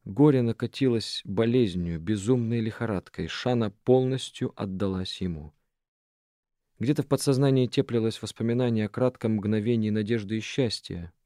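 A man narrating a novel as an audiobook in an even, measured reading voice. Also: fairly low pitch, dry recording, clean studio sound. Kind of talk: scripted narration.

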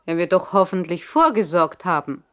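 A woman's voice: fairly low pitch, big pitch swings, normal speed, fairly bright tone. An actress playing a caring, practical noble mother in a German radio play from the 1960s. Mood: concerned, practical.

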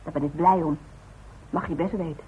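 A woman's voice: low voice, steady tone, normal speed, muffled recording, slight background noise, close to an everyday voice. An actress playing a devoted, worried woman who is firm and direct, in a naturalistic radio play on an old recording. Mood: worried, reproachful. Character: devoted, plain-spoken, worried woman coaxing her stubborn father.

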